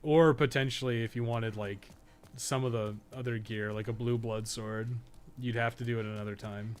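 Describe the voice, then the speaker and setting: A man's voice: mid-range voice, steady tone, moderate pace, slight background noise. A man giving casual, rambling livestream game commentary, thinking aloud with some swearing and self-deprecation. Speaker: video game streamer and podcast co-host.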